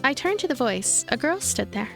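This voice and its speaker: A woman's voice: high-pitched, big pitch swings, moderate pace, gravelly, over music. A woman streamer reading a visual novel aloud as narration, with casual asides. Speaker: let's play streamer.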